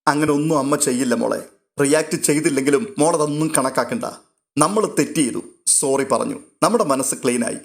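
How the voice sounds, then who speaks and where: A man reading a story aloud and voicing a caring young woman who gently coaxes a younger girl. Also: on the high side, brisk, gravelly. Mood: coaxing.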